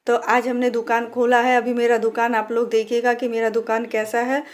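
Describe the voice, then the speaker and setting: A woman's voice: on the high side, monotone, moderate pace. A woman from India, chatting with viewers in a casual home cooking and cleaning vlog from her kitchen. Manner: chatty, addresses viewers directly, frequent restarts. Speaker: vlogger.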